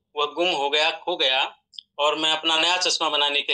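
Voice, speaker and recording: Bright and sharp in tone, a man's fairly high voice stays flat and monotone. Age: 60s. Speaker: product user giving testimonial. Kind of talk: testimony. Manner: formal.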